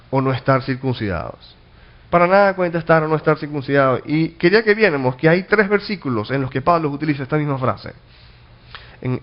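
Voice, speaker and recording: A man with a voice on the high side preaches a Bible-study sermon as a pastor, teaching earnestly. He restarts and repeats words and asks rhetorical questions he then answers himself. The audio sounds dull.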